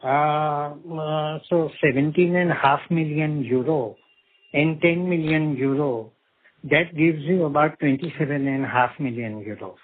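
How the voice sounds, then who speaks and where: A man with an Indian accent asking questions on a business conference call in a halting, methodical way, as an investor or analyst. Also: a little high. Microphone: phone conference call. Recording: narrow, tinny phone line.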